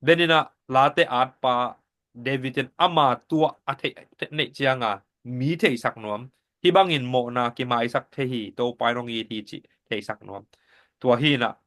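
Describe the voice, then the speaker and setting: A man's voice: mid-range voice, normal speed, fairly bright tone. Man steadily teaching a Bible lesson. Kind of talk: Sabbath School lesson teaching.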